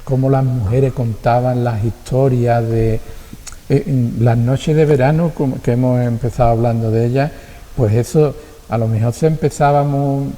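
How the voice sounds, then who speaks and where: A man with an Andalusian accent, a guest speaking thoughtfully and haltingly, often repeating words. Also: mid-range voice, steady tone, warm tone, big-room sound. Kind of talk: reflective conversation.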